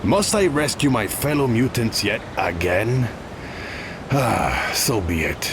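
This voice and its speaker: An actor playing an arrogant king of the sea in a video game, imperious and pompous, with a raspy voice. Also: mid-range voice, expressive, takes it slowly, background noise. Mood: weary disdain. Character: haughty, arrogant undersea king.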